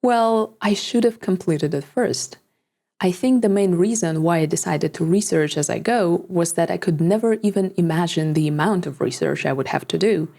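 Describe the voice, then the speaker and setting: A young woman narrates her own scripted video essay, calm and reflective. Her voice sits low and carries a gravelly fry, with a dark, mellow tone. English is not her first language. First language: neither English nor Japanese. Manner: measured, reflective, articulate.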